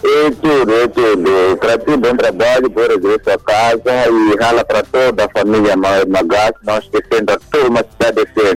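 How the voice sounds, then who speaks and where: Low-voiced radio caller. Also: male voice, steady tone, normal speed, hardly any pauses, faint music behind, rough recording. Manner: casual slangy banter.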